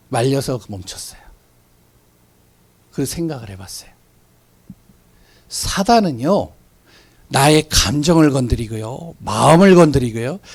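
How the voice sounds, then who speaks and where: Male pastor, sermon delivery; high, very expressive pitch, rhetorical questions, sudden hushed drops. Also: creaky.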